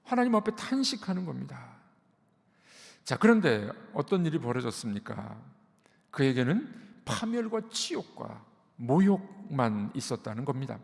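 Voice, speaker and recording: A man's voice: medium pitch, big pitch swings, normal speed, vocal fry, big-room sound. A man giving a sermon as pastor, explaining patiently and repeating key words. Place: church sanctuary.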